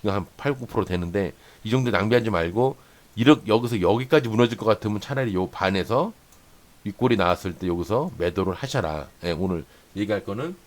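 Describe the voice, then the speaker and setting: A man hosting a stock trading channel, walking viewers through a chart and repeating points for emphasis. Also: fairly low pitch. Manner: explanatory, points along a chart with many "here" and "this much"; repeats phrases for emphasis, asks "right?" often. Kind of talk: chart-analysis lesson for day traders.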